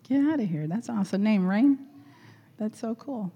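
A middle-aged woman leading a church gathering, chatty and laughing often, her voice going hoarse. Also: medium pitch, animated, normal speed, mellow, muffled recording. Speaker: church leader. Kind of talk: warm casual church greeting and exhortation.

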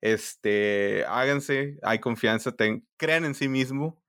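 Dude on a podcast, laughs a lot, makes fun of himself, mid pitch, dry close sound. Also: male voice, takes it slowly, fairly bright tone, clear, resonant tone, no echo. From Latin America. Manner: laughs easily, self-deprecating. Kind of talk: casual podcast chat.

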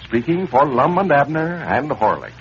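A man announcing on a 1930s radio show, with a smooth, emphatic sales delivery and a recap of the story. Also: on the high side, sing-song, normal speed, a bit bright. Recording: old lo-fi radio transcription with hiss.

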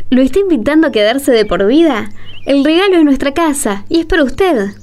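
A woman's voice: sits high, animated, brisk, darkish tone, soft background music. An actress with an Argentine accent playing an earnest, plain-spoken woman in a radio drama. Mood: pleased.

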